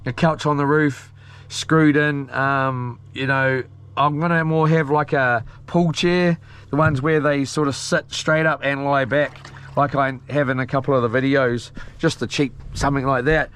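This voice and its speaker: A man's voice: medium pitch, steady tone, measured pace, a bit bright, clear, resonant tone. A man with a broad New Zealand accent, chatting casually on a live stream in a slangy, matey, rambling way. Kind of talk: casual live-stream chat, reading out and answering viewer comments.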